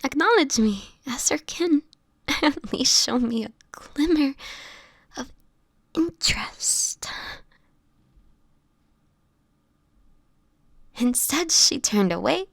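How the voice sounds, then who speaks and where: A woman acts out an ailing, homeless female vampire in a dramatic audio roleplay. She speaks slowly and haltingly in a breathy voice that often sinks into a whisper. She sounds fragile, guilt-ridden and protective, pleading through her anguish, in a dry recording with no room sound. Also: sits high, animated, no room sound, heavily acted. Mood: fearful, wounded.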